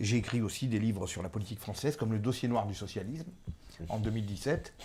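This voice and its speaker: Here a man speaks at a very fast pace, fairly low in pitch with ordinary variation. His voice is somewhat breathy, with a dark, mellow tone. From Corsica. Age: 40s. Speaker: author and business consultant. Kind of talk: interview.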